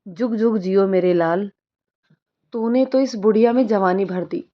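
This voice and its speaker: A woman's voice: mid-range voice, unhurried, lo-fi sound, natural voice. A woman voicing an ailing, stubborn old grandmother in a storybook reading, coaxing and scolding her grandson. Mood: delighted.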